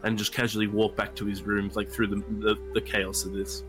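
A man's voice: lowish voice, flat delivery, fairly quick, fairly bright tone, soft background music, poor audio. A man chatting casually as a player in a tabletop role-playing game. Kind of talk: casual chat.

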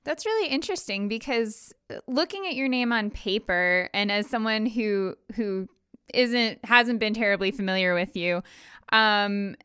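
A woman's voice: medium pitch, normal speed, a bit bright, clean tone, no echo, studio quality. A woman interviewing a guest, asking engaged, reflective follow-up questions. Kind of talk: conversational interview.

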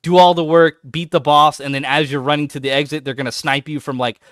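A man's voice: a little high, fast talker, no room sound, clean studio sound. A man co-hosting a podcast in casual chat, talking with growing enthusiasm. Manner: enthusiastic, animated when excited. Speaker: podcast co-host.

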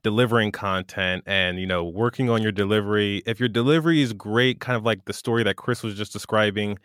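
A man's voice: lowish voice, fairly quick, fairly bright tone, smooth, dry recording, clean studio sound. A man co-hosting an interview who keeps it friendly, laughs often and asks questions. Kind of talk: casual chat.

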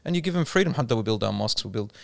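A man's voice: lowish voice, animated, racing, vocal fry, no room sound. A man from Australia explaining a religious idea in casual conversation, patiently telling anecdotes and mixing in Arabic terms. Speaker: Islamic speaker.

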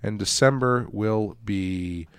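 A man's voice: on the low side, slow pace, clear, resonant tone, dry recording. A man co-hosting a casual film podcast, rambling with restarts and chuckles. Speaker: podcast co-host.

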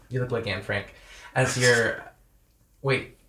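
A man's voice: medium pitch, steady tone. A man in his thirties co-hosting a podcast, joking and teasing his co-host and guest in casual chat. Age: 30s. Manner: joking, teasing, quick interjections. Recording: echoey room with faint noise.

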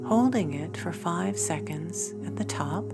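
Woman, guided meditation narration, very slow, slightly low pitch, soothing, long pauses, new-age music behind. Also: lively intonation, gravelly. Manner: soothing, measured, with long pauses between phrases.

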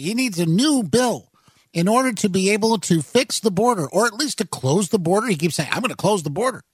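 A man hosting a talk radio show, commenting on the news in a rambling, halting way with many fillers and self-corrections, into a studio microphone. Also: high voice, slightly rough, dry recording.

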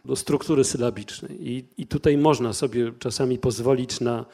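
A man's voice: medium pitch, fairly even intonation, normal speed, vocal fry, dark tone, breathy edge. A man answers audience questions as a translator on a panel. His voice sits in an ordinary middle range, and he talks thoughtfully, with frequent restarts and fillers.

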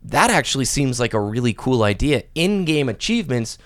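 A man hosting a casual gaming podcast, talking in a chatty, easygoing way with a mid-pitched voice. He sits close to the mic in a dry, dead room with no echo. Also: very animated, fairly quick. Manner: chatty, reads listener posts aloud. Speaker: podcast host.

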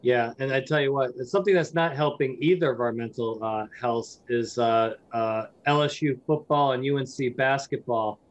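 A man's voice: mid-range voice, steady tone, moderate pace, few pauses, highs cut off. A man hosting a podcast interview, asking thoughtful questions in a conversational way. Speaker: podcast host.

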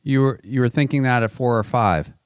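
A man's voice: medium pitch, brisk, dry recording. A man hosting a Catholic radio interview, who often stops his guest to clarify and repeats words as he starts his sentences. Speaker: radio show host.

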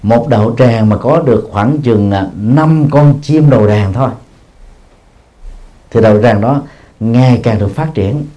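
A male Buddhist monk teaching in a mellow, relaxed voice. He explains patiently, padding his phrases with a drawn-out filler and sometimes chuckling at his own stories. The talk is recorded in a practice hall. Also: mid-range voice. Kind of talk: dharma talk answering questions.

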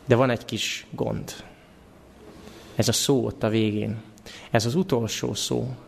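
A male preacher delivers a sermon in a church. He is animated and asks his listeners questions. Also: mid-range voice, gravelly, slight background noise.

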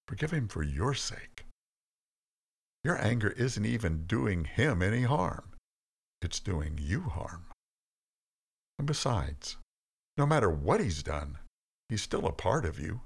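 A man's voice: deep voice, vocal fry, full character voice. A man voicing God as a patient, compassionate father figure who pleads earnestly but firmly in a storybook reading. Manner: earnest, pleading, gently firm.

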